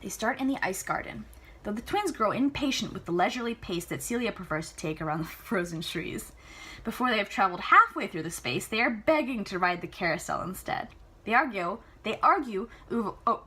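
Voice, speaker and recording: A woman reading a novel aloud in an enthusiastic, chatty way, adding casual asides and reactions, with a husky voice. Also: medium pitch, animated, brisk, pushed and bright, a little hiss or hum. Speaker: amateur book reader.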